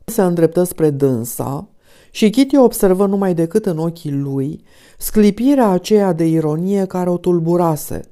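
A woman narrating a classic novel as an audiobook in a calm, even reading. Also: on the low side. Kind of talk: scripted narration.

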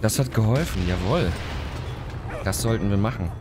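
A man's voice: fairly low pitch, lively intonation, normal speed, music in the background. A man with a cold, chatting casually while playing a game and talking to the characters on screen. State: has a cold, coughing. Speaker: let's play host. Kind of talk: casual gameplay commentary.

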